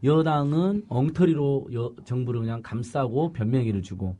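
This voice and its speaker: A man hosting a political talk interview, telling stories with animated, laughing delivery. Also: mid-range voice, moderate pace. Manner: animated, with laughter, tells anecdotes. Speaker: host.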